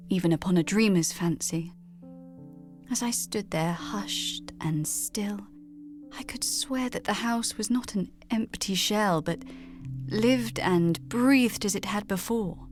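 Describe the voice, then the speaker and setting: Woman narrating, middle-pitched. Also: a little mellow. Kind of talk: scripted narration for a drama reel.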